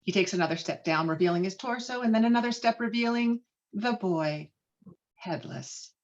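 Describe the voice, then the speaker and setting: A woman's voice: mid-range voice, normal speed. A woman reading stage directions as the narrator of a dramatic script table read. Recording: dull, lo-fi call audio.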